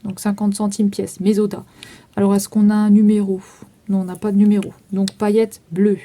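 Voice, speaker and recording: A woman's voice: medium pitch, monotone, normal speed, dark tone. A woman in her thirties casually going through makeup items for sale, listing prices and numbers with frequent fillers. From France. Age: 30s. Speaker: vlogger selling makeup. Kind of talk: casual sales walkthrough.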